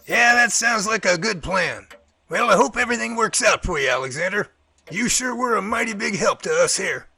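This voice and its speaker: A man's voice: high-pitched, animated, normal speed, creaky, bright, forceful tone, full character voice. An actor playing a feisty, wisecracking professor in his sixties, with folksy, teasing banter in an audio drama. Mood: friendly folksy. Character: feisty wisecracking old professor, tough man of sixty-five.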